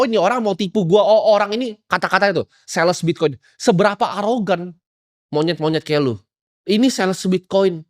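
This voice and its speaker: A man's voice: high-pitched, no echo. A young man from Indonesia lecturing viewers on money in a blunt, scolding, boastful way, recorded close and dry. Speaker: investor giving advice.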